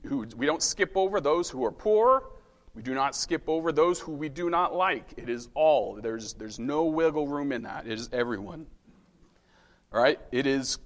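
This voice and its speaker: A man's voice: a little high, long reverb tail. A man giving a sermon as a lay preacher, talking in a conversational, self-deprecating way with restarts and frequent check-ins with his listeners.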